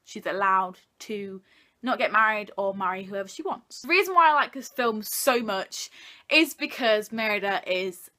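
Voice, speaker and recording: A woman's voice: mid-range voice, moderate pace, bright, forceful tone. A young woman talking casually and informally to her viewers like a video blogger, jokey and opinionated. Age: young adult. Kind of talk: casual chatty countdown review to camera.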